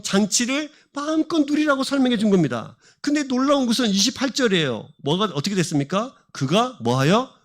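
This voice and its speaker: A middle-aged man preaching a sermon to a congregation, asking them questions and answering them himself. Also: very high-pitched. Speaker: pastor. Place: church sanctuary.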